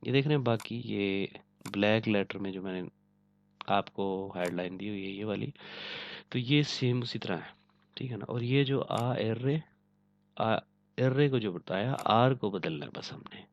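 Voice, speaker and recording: A man gives a language lesson, patiently checking that his students follow and repeating "ठीक है ना" to confirm they understand. His lowish voice is a little slow, with vocal fry. The audio is dull and lo-fi, with a dry, close sound and no echo.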